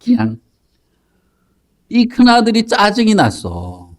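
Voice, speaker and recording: A man's voice: sits high, wildly swooping pitch, slow pace. A man teaching a Sunday school Bible lesson to children, telling the story and quizzing them by name in a playful way. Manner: playful, joking.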